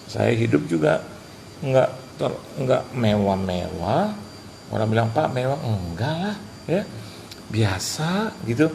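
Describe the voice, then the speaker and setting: A middle-aged male pastor preaching a sermon, animated, acting out conversations and mixing in English phrases. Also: medium pitch, takes it slowly, vocal fry. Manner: animated preacher who acts out dialogues and drops English phrases. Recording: noisy live sermon recording.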